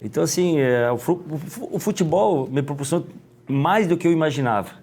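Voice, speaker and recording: A middle-aged man with a Gaúcho Brazilian accent, a former footballer talking as an interview guest, rambling and halting with many restarts. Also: on the high side, darkish tone. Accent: Gaúcho Brazilian Portuguese. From Rio Grande do Sul, Brazil. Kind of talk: casual interview.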